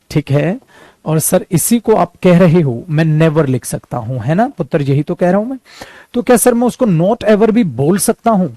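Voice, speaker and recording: Indian man teaching English, slow and mellow. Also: sits high, expressive, dry recording. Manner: addresses students as dear and son, repeats words for drill; slows to a careful crawl for English example sentences. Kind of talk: online spoken-English class.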